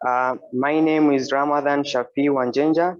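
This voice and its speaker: A man's voice: mid-range voice, steady tone, moderate pace. Young man from Tanzania explaining an invention. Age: young adult. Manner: plain, explanatory, with frequent uh fillers. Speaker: young innovator presenting a project. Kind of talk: informal project presentation and demo. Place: workshop with wooden benches, indoors. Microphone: phone camera held at arm's length, wearing headphones. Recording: dull lo-fi phone audio.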